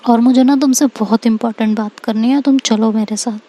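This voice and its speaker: A woman's voice: a little high, steady tone, brisk, warm tone, lightly acted. A woman voicing a bossy, jealous teenage senior schoolgirl who talks in an insistent, scolding way, in a told story. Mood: angry.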